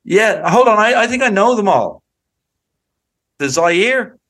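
A man's voice: sits high, lively intonation, slow pace, a bit bright. A young Irish man co-hosting a podcast, bantering in a dry, teasing way. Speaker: podcast co-host. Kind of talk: casual chat.

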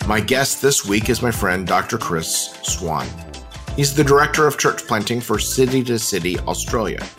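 A man hosting a podcast, reading a measured, even introduction and asking interview questions. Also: fairly low pitch, music in the background. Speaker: podcast host.

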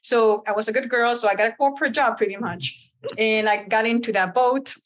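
A woman's voice: on the high side, steady tone, a little fast. A woman from Colombia whose first language is Spanish, telling her story as a podcast guest in a candid, chatty way. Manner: candid, chatty, uses many fillers. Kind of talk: casual interview storytelling.

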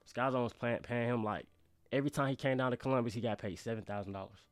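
A man's voice: medium pitch, fast, dry recording. A young man with an African American accent telling stories in a casual, slangy, conversational way. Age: young adult. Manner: slangy, conversational, often says bro and you know what I'm saying. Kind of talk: casual storytelling chat.

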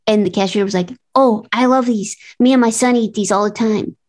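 A woman hosting a comedy game-show podcast, chatting in a lively storytelling way. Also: on the high side, a little fast. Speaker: podcast host. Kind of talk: casual chat.

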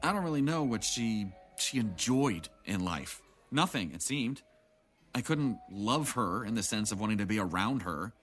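In a naturalistic audio drama with background music, a man voices a guarded, jaded middle-aged character who resents his family. His somewhat low, a bit bright voice is animated at a moderate pace, the mood bitter and resigned, the delivery wry and reflective.

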